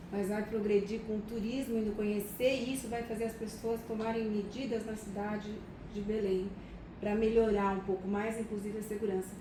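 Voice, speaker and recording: A woman chatting casually in a group meeting. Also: medium pitch. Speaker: reading circle participant. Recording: echoey room from far off, noisy.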